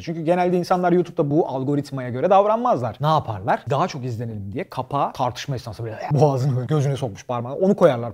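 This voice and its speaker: A man hosting a comedy talk show, delivering a loud, animated stand-up style monologue that swings from shouting to quiet asides. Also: on the high side.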